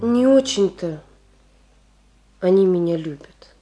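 An actress playing a homesick young married daughter, talking softly and plainly to her father. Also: fairly low pitch, lively intonation, slow, faint music behind. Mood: wistful. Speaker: grown daughter. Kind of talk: radio play acting.

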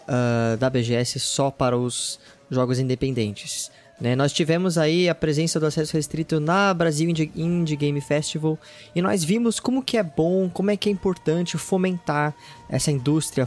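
Excited young Brazilian man, high voice. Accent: Brazilian Portuguese. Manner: excited, slangy, gushing about games. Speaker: podcast host. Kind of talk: casual gaming podcast talk with on-site recordings.

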